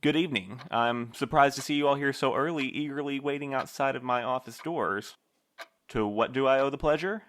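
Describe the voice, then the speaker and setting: A man playing a cautious, courteous postmaster in an audio drama, speaking in a formal, measured, polite way. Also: medium pitch, fairly bright tone, dry recording, close to an everyday voice. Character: cautious, courteous male postmaster, mild and diplomatic.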